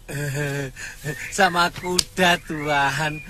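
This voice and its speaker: A man's voice: a little high, fairly even intonation, very slow. An actor playing a simple-minded, humble male servant who tends horses, fawning and calling his master sir, in a radio drama.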